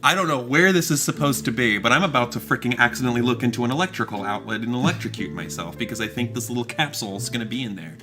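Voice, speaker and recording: Animated man hosting a livestream. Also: mid-range voice, rapid-fire, hardly any pauses, music in the background. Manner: animated, reads chat aloud, laughs often. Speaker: livestream host. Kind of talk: casual reaction chat.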